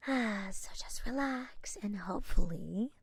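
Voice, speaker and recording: A woman voicing a gentle, slightly scatterbrained witch healer in an ASMR roleplay, whispering softly and reassuringly. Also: mid-range voice, expressive, unhurried, a little hiss or hum. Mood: soothing. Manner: soft, reassuring whisper with small giggles.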